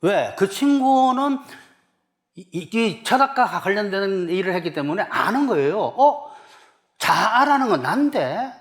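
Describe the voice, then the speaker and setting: A man's voice: high voice, lively intonation, measured pace. A middle-aged man from South Korea preaching a sermon as pastor, emphatic and full of rhetorical questions to the congregation.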